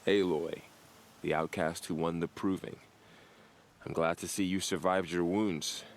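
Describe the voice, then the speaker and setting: A man playing a grave, dutiful tribal warrior on gate duty in a video game, speaking in measured, solemn, formal phrases. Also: deep voice, fairly even intonation, a little hiss or hum. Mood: wary, welcoming. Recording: game music behind the voice.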